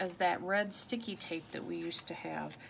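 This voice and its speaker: The voice carries vocal fry. The pace is moderate. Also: woman. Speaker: paper crafting demonstrator. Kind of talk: live craft tutorial. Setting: Facebook live stream. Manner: casual, chatty.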